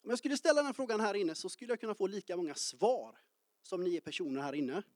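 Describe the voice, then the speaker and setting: With a high-pitched voice and a clean, echo-free studio sound, a man in his early forties leads a church sermon. He keeps it lively, joking and calling out to members of the congregation.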